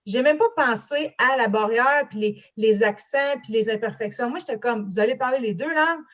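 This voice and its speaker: Chatty woman, quick talker. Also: fairly high pitch, a bit bright. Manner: quick, chatty, mixes in English words. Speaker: panelist, marketing and branding teacher. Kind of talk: casual panel discussion.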